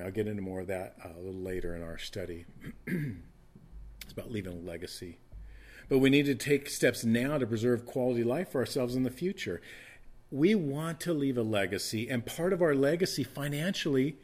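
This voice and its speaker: A man in his fifties preaching a casual, conversational sermon, often restarting and repeating words. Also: medium pitch. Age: 50s. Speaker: pastor.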